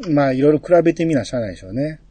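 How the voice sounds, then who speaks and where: A man hosting a casual podcast, reading listener mail aloud with a relaxed, teasing manner. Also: on the high side, racing, breathy edge, dry recording. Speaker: podcast host.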